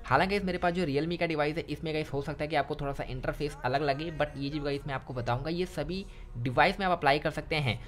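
A man's voice: a little high, fairly even intonation, fast, a bit bright. A young man narrating a step-by-step phone tutorial, often addressing viewers informally and repeating himself. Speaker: tech tutorial YouTuber. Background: background music.

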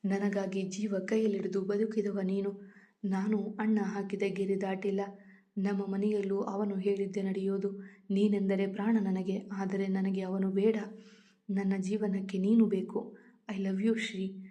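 A woman's voice: medium pitch, flat delivery, measured pace, mellow, natural voice. A woman voicing a young bride pleading with her lover, heard as a recording within a storybook reading. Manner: pleading, emotional.

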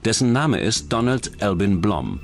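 Male narrator for scripted crime documentary, animated delivery, low register. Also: unhurried. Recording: music bed under the voice.

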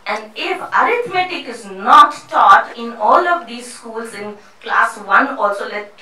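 A middle-aged woman from India speaking on a panel in a seminar room into a handheld mic, halting and earnest with many restarts. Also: fairly high pitch, lively intonation, pushed and bright. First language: not Hindi; English not first language. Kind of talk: public talk at a panel. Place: seminar room with a panel seated before a screen. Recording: echoey room picked up from a distance.

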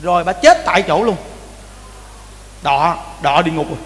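High-voiced Southern Vietnamese man preaching. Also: moderate pace. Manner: animated storytelling, repeats words, addresses the audience often. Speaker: Buddhist preacher. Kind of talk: sermon. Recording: reverberant hall with faint noise.

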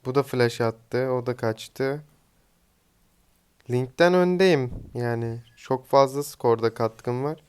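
Smooth-voiced young man chatting over gameplay. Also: mid-range voice, takes it slowly, darkish tone. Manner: chatty, teasing, swears casually at teammates. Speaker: gaming streamer. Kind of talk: casual live gameplay commentary.

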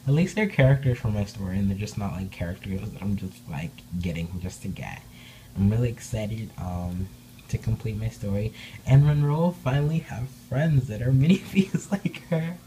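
Rambly, bubbly woman with a dark voice. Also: a bass voice, moderate pace, a little hiss or hum, rough recording. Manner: rambling, with many filler words; bubbly, excitable. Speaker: doll hobby vlogger. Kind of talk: casual update vlog. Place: indoor room, speaking off camera behind dolls.

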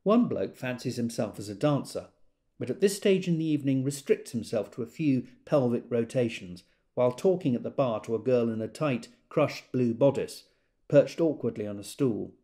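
A man's voice: mid-range voice, animated, normal speed, warm tone, lightly acted. An actor playing a wry gay man who tells of a party in an observant, dramatised literary monologue.

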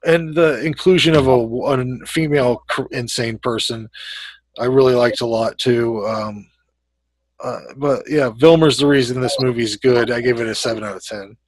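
A man with an ordinary mid-pitched voice states blunt opinions in casual podcast chat, often trailing off quietly at the ends of his phrases. His desk mic sounds dry and close, with no room sound. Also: normal speed, no echo, low-quality recording. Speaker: podcast co-host. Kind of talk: casual film review chat. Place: home room. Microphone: desk mic on video call.

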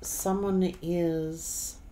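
A middle-aged woman giving an unscripted tarot reading in halting, broken phrases that she often repeats. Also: lowish voice, fairly even intonation, warm tone. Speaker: tarot reader. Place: indoor room, seated at a table.

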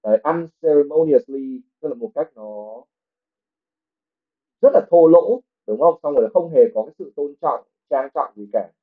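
A man's voice: a little high, lively intonation, normal speed. A man who teaches English reads a novel aloud in a livestream, then translates each passage and explains the vocabulary word by word. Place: livestream at home. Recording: phone-like narrow sound.

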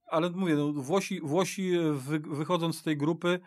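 A man discussing football as a guest pundit on a radio podcast, haltingly, repeating and restarting words. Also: on the high side, steady tone, no room sound, clean studio sound. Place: radio studio.

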